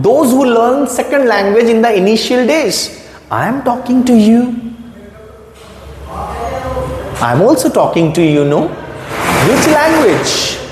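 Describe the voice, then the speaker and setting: A man teaching English as his second language in a gentle, reassuring tone. He repeats phrases and asks questions back to the listener. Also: extremely high pitch, a little hiss or hum. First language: not English. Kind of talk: motivational spoken lesson to camera. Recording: echoey room with long reverb.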